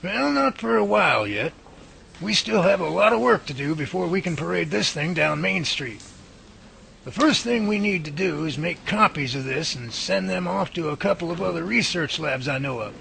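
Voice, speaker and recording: A man's voice: a little high, gravelly, pushed and bright, a little hiss or hum, exaggerated voice. A man playing a folksy, confident research professor in a radio drama, explaining things and taking charge. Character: folksy, confident professor leading Bigfoot research, good-humored.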